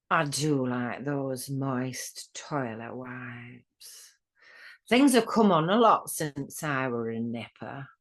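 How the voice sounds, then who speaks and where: A woman playing a comic Northern English widow who reminisces frankly in a slow, drawn-out, indignant monologue. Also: lowish voice, exaggerated voice.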